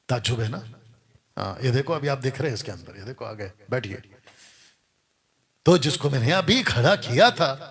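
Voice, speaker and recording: A man's voice: fairly high pitch, fairly bright tone. A man preaching a sermon to a live congregation, scolding and firing rhetorical questions at the crowd. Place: church or meeting hall with congregation.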